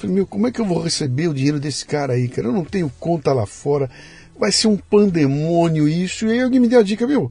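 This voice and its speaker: A fairly high male voice at a very fast pace, with very wide pitch swings. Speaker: podcast host. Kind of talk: interview. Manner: animated, casual.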